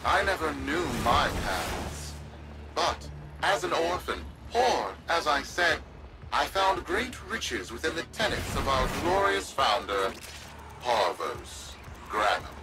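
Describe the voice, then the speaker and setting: Pompous, swooping corporate demagogue. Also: male voice, a little high, big pitch swings, takes it slowly, very noisy. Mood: falsely humble. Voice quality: theatrical swooping delivery. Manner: pompous, grandiose, oily false humility. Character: pompous, self-aggrandizing corporate demagogue posing as pious heir. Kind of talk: theatrical broadcast speech to followers. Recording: loud music behind. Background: loud music.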